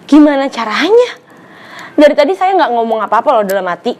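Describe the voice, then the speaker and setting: A young woman in her twenties from Palembang talks with a bright, high voice. She is sassy and exasperated, snapping back at every question in a comic sketch. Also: very animated, a little fast. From Palembang, Indonesia. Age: 20s. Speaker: comedy YouTuber. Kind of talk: comedic sketch.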